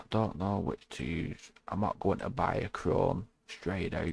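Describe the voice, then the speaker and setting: A man with a very deep, low voice and vocal fry speaks at a fairly slow pace with ordinary pitch variation. The sound is dry and close, with no echo. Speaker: gaming streamer. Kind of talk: live gameplay commentary. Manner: quieter than usual; hesitant, many fillers.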